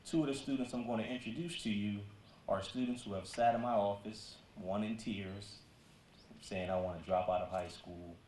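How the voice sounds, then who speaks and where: A low-voiced man, a school principal, speaks at an awards ceremony in a relaxed, conversational way, scattering fillers as he goes. The sound echoes around a large room. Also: normal speed, slight background noise. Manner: conversational speech with many "um"s and "you know"s. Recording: echoey hall.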